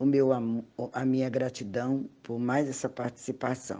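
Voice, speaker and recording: The pace is moderate. The background is quiet. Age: 60s. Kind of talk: testimony.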